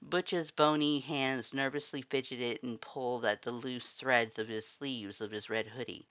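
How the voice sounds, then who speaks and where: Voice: medium pitch, fairly even intonation, measured pace, fairly bright tone. An amateur narrator reading scripted fan fiction in the second person, telling the scene as a story. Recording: roomy echo, slightly dull sound.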